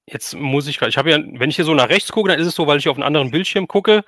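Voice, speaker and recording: A man's voice: on the high side, animated, very fast, fairly bright tone, dry recording, studio quality. A man speaking as a livestream host in a casual, chatty and enthusiastic way while interviewing a guest.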